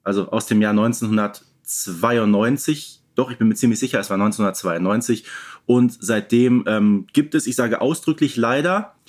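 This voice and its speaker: A man's voice: lowish voice, normal speed, a little mellow. A man in a casual, informed podcast discussion, explaining things with emphasis. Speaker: podcast co-host.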